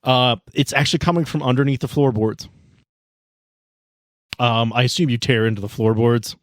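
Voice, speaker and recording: A man's voice: mid-range voice, steady tone, normal speed, dry recording. A man narrating as game master of a tabletop game, describing scenes casually with asides and restarts.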